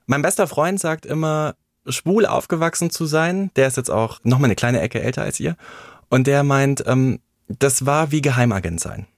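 Brief: male actor, personal storytelling, mid-pitch, dry close sound. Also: normal speed, dry recording. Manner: reflective, tells stories with acted-out quotes. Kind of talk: candid personal conversation.

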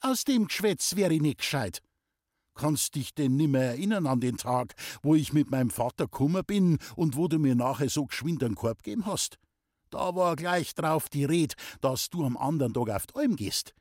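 A boastful young Bavarian villager chatters on in dialect, his voice lifted above the narrator's usual pitch, as a male reader puts him on. The sound is dry and close, with no room around it. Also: expressive, normal speed, a little mellow, no room sound.

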